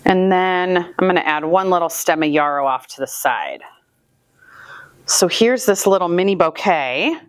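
A woman in her thirties, a flower farmer and channel host from Northwest Iowa, narrates a casual how-to as she puts bouquets together, cheerful and chatty while handling the flowers. Her fairly low voice has lively intonation at a measured pace, with no echo, captured hands-free by a far camera in an indoor room with flower buckets.

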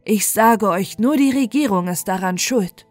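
A woman's voice: medium pitch, measured pace, a little mellow, no room sound, lightly acted. A woman voicing a blustering, indignant male wolf in a fairy tale, growling and menacing, with music behind. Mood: angry, threatening. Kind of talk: fairy tale storybook reading.

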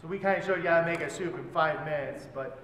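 A man in his forties teaches a cooking class, talking casually as he cracks eggs and mixes dough. His voice sits a little high and reaches the camera from across a large, reverberant hall. Steady background noise runs under the recording. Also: fast. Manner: relaxed, explains while working with his hands. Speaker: chef instructor. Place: large hotel function room, indoors. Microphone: far camera. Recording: echoey hall, voice from far off, loud background noise.

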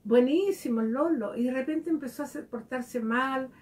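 A woman's voice: high voice, normal speed, darkish tone. A woman giving a devotional reflection, speaking conversationally and asking her listeners direct questions. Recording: voice heard from a distance.

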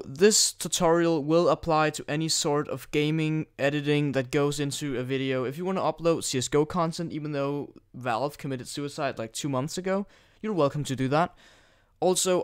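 A man's voice: fairly high pitch, smooth, no echo, clean studio sound. Teen boy with a put-on British accent. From Denmark. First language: Danish. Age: teens. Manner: rambling, joking and crude, with frequent restarts. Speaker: gaming YouTuber. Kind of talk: casual screen-recording tutorial commentary. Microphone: new desktop microphone.

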